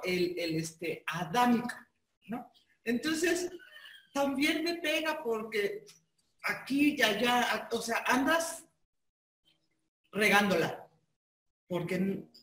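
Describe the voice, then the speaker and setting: A woman's voice: medium pitch, recorded from a distance. A woman sharing her reflections in a casual, hesitant way. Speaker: participant sharing testimony. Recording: roomy, from off the mic.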